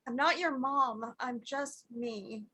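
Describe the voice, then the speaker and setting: An actress plays a dying mother figure in a horror script. She speaks slowly and deliberately in a high voice, tender yet insistent. She stays calm and resolute. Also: exaggerated voice. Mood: gently insistent. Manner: slow, deliberate, gently insistent. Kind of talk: table read acting of a horror film script.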